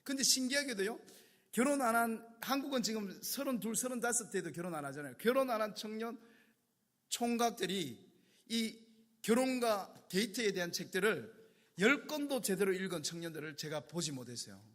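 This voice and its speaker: A male pastor preaching with a high, bright voice that rises and falls in lively sweeps. He tells stories animatedly and acts out little conversations. His voice rings through a church sanctuary with long reverb. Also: fairly quick. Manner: animated storytelling, acting out dialogues. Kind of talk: sermon.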